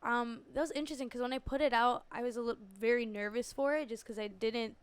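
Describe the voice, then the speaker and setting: A woman's voice: fairly high pitch, fast, clear, resonant tone. A young woman from Canada, an R&B singer, chatting casually as a podcast guest with many fillers and easy laughs. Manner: relaxed, laughs often, lots of likes and fillers. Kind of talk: casual interview chat. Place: podcast studio.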